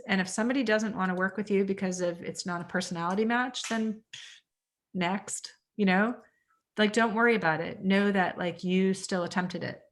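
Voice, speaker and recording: A woman coaching a real estate class over a video call, her voice pitched in a middle range. She rambles candidly, peppering her talk with "like" and voicing her own past thoughts. The tone stays conversational and encouraging. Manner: chatty, candid, full of "like" and acted-out quotes. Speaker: real estate coach leading a training session. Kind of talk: motivational online class talk.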